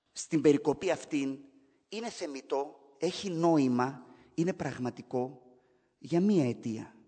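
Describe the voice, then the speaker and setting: A man's voice: fairly high pitch, a little mellow, slightly rough, in a large hall. A man preaching a sermon, explaining points emphatically in a conversational way and asking the congregation rhetorical questions. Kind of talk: sermon, Bible teaching.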